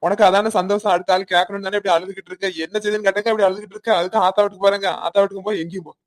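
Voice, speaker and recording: A man voicing a fast-talking, blustering village husband. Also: high voice, flat delivery, no echo, natural voice. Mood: angry. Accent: Tirunelveli Tamil. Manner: nagging, scolding, hectoring. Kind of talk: cartoon voice acting.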